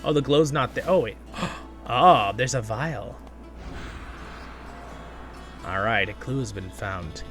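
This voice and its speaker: A man's voice: medium pitch, slow, pauses often, a bit bright. A man hosting a gaming channel, chatting enthusiastically and thinking aloud in casual gameplay commentary. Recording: music playing behind the voice. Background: music.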